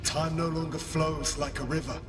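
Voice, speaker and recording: An actor playing a grave, desperate warrior double in a video game, solemn, intense and commanding. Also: male voice, on the high side, flat delivery, moderate pace, music in the background, lightly acted. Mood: grave, demanding. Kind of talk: video game character acting. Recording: distant voice in long reverb.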